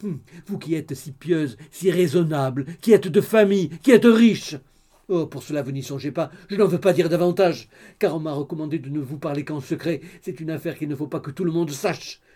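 A man voicing a gossipy, excitable middle-aged mother in an audiobook, chattering in a raised, exclamatory voice. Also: fairly high pitch, fairly quick, lightly acted. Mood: scandalized. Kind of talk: audiobook character reading.

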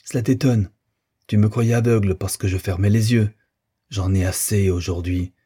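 A man narrating a novel voices a bitter young lover, spitting accusations before going icily contemptuous. His voice is low, dark and very husky, with fairly even intonation and a moderate pace. The mood is cold, wounded and unforgiving.

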